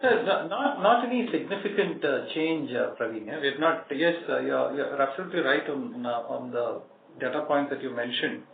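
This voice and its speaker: A man answering questions as a company executive on an earnings call, halting and repeating words. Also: medium pitch, creaky. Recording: echoey, noisy narrowband phone line.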